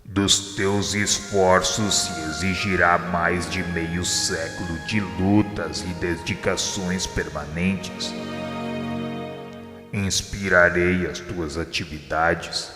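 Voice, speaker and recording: A man voicing Jesus as a grave divine figure in a radio drama, speaking with a Brazilian Portuguese accent in measured, solemn pronouncements. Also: sits low. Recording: heavy reverb with soft music behind.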